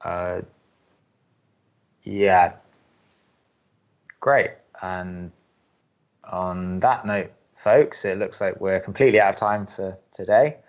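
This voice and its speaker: An actor playing a wry, hesitant young college radio co-host who doubts everything, in an audio drama. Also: male voice, low voice, slow, pauses often, dull audio. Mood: deflated, dry. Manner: hesitant, dry, sardonic. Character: Drew, wry reluctant skeptic male college radio co-host. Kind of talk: naturalistic audio drama acting.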